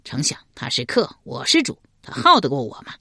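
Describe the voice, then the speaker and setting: A woman voicing a scheming tribal king in a spoken historical novel, blustering and quick to exclaim. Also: a bass voice, wildly swooping pitch, sharp tone, breathy edge, no room sound, studio quality, voice pushed down, heavily acted. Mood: eager.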